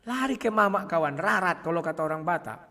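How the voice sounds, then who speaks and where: A man speaking casually to his viewers in a combative way, often clearing his throat. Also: on the high side, animated, fairly quick, sharp tone, long reverb tail. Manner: combative, addresses listeners as "kawan", frequent throat clearing. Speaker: online video host.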